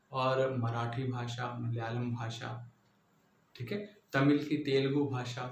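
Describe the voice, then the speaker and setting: A man from Punjab with a Punjabi accent gives a patient classroom lecture, explaining step by step and often checking that his listeners follow. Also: medium pitch. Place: classroom with a board. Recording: echoey room, faint background noise.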